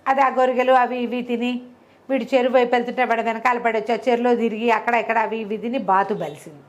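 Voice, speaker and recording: Female oral storyteller, slightly high pitch, colloquial and conversational with animated asides. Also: quick pace, lo-fi sound. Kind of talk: conversational oral storytelling of a folk moral tale.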